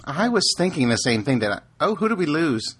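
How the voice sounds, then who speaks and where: A man hosting a casual podcast chat, laid-back and quick to laugh. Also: fairly high pitch, sing-song, heavy background noise. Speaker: podcast host.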